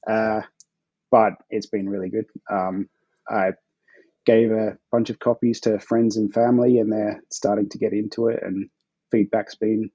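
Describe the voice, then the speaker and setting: A forty-year-old Australian man chatting casually and in a low-key way as an author guest on a podcast. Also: little pitch movement, a little slow, warm tone, slightly rough, no echo, dull audio. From Perth, Australia.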